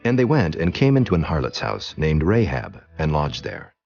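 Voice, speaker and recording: A man's voice: rumbling low, wildly swooping pitch, moderate pace, gravelly, a little mellow. A man narrating scripture as a scripted reading, solemn and formal. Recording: dull, muffled audio. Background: faint music.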